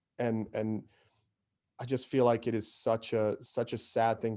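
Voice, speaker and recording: A man speaks with a Croatian accent at a medium pitch. His tone is dark and mellow. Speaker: company founder. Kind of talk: interview. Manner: animated.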